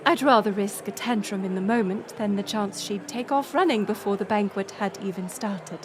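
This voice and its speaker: A woman playing a gracious, resolute middle-aged queen in an audio roleplay, speaking in formal, stately, measured phrases. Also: mid-range voice, noisy background, close to an everyday voice. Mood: gracious, candid. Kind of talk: scripted audio roleplay acting.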